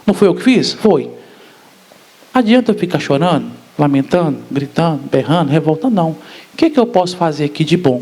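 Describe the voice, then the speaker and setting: A man giving a spiritist public lecture, often asking the audience questions. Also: high-pitched. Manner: asks the audience questions, animated.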